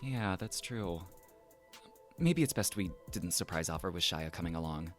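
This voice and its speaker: Very deep-voiced easygoing friend. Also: female voice, expressive, normal speed, soft background music. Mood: gentle, casual. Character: easygoing, kindly young friend with low voice. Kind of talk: audio drama dialogue.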